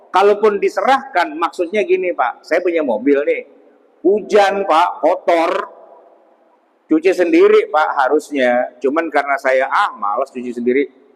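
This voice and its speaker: A man's voice: on the high side, breathy edge. Man explaining in a hall. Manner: rhetorical questions, keeps addressing the host; acts out little dialogues to explain. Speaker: Islamic scholar answering questions. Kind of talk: casual explanatory talk. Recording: long hall reverb.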